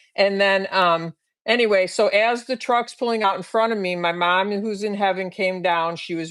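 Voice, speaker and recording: At a fairly quick pace, a woman with an unremarkable speaking voice talks at a medium pitch with fairly even intonation. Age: 60s. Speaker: guest on live stream podcast. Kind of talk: casual chat. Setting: live stream.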